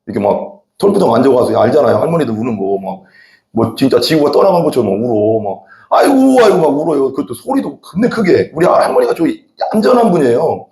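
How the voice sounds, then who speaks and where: A man's voice: mid-range voice, big pitch swings, fast talker, warm tone. A middle-aged man preaching a sermon as a pastor, telling rambling folksy stories from the pulpit. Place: church sanctuary. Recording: echoey church hall.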